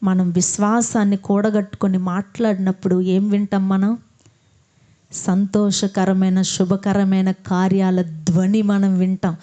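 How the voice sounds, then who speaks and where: A woman's voice: mid-range voice, level tone, measured pace, mellow, lo-fi sound. A woman preaching a sermon who asks the congregation questions, answers them herself, and leads them in prayer.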